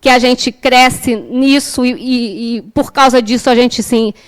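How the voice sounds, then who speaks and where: A woman's voice: fairly high pitch, steady tone, unhurried, smooth. A woman with a Brazilian accent teaching a class, telling a personal story in a conversational way with frequent tag questions. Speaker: spiritist course teacher. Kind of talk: lecture with personal anecdote.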